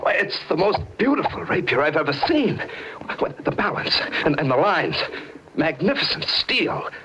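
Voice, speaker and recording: An actor playing a haunted, intense killer obsessed with blades in an old-time radio horror drama, brooding and halting. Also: male voice, on the high side, very animated, noisy background. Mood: delighted. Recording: dull old radio broadcast recording. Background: loud dramatic music.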